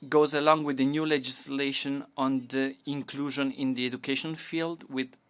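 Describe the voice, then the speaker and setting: Speaking formally at a conference in a language not her own, a woman minister from Portugal, a native Portuguese speaker, gives a statement. Her very deep, smooth, resonant voice holds a steady tone, and her slow, careful, measured delivery includes hesitations and restarts.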